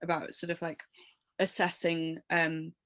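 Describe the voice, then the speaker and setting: Musician guest, woman, 30s, English accent, low smoky voice, chatty and quick to laugh, dry close sound. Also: dry recording. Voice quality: low voice from years of smoking. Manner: animated, laughs often, lots of fillers. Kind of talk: casual interview chat.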